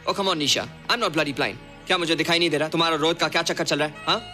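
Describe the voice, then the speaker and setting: Jealous young suitor, high, bright, rapid-fire. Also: male voice, soft background music. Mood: taunting. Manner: taunting, slips English into speech. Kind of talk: Hindi film dialogue.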